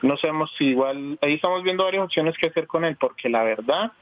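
A man's voice: a little high, fast talker, dry recording. A man from Armenia, Colombia, with a paisa accent, telling a story casually as a phone-in guest. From Armenia, Quindío, Colombia. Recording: dull, noisy remote call.

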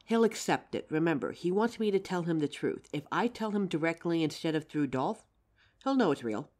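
A woman's voice: on the low side, animated, moderate pace, a little mellow, lightly acted. A woman playing a tender, reassuring lover in an audio drama, speaking affectionately and soothingly.

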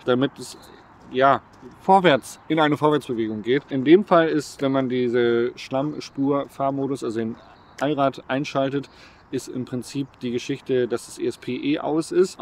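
A man in his thirties casually presenting tips to viewers, upbeat and talking with his hands, recorded outdoors on a gravel lot. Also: medium pitch, a little hiss or hum. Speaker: vlogger presenting driving tips. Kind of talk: casual explanatory vlog talk. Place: outdoors on a gravel lot beside a camper van.

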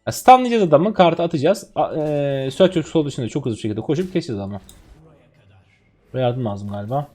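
An excitable young man from Turkey streaming a game and talking straight to his viewers. His voice sits fairly high and leaps around in pitch as he reacts to each play. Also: brisk. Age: 20s. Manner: excitable, chatty, talks to viewers while playing. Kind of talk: live gameplay commentary.

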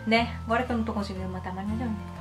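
A woman's voice: medium pitch, fairly even intonation, very fast. A woman, chatting casually and animatedly to the camera in a rambling way. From Japan. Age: 20s. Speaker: YouTuber and Japanese teacher. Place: small indoor room. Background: background music.

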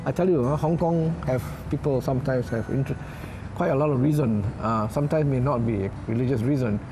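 Middle-aged male priest from Singapore, measured and earnest, church interior, noisy lapel recording. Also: medium pitch. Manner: earnest, measured, with frequent "uh" and "yeah". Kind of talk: interview answers in English. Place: inside a large church.

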